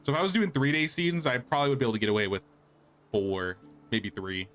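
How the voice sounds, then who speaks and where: A man's voice: mid-range voice, lively intonation, fast, fairly bright tone, soft background music. A man doing casual livestream gameplay commentary, chatting and thinking aloud as he plays. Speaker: game streamer.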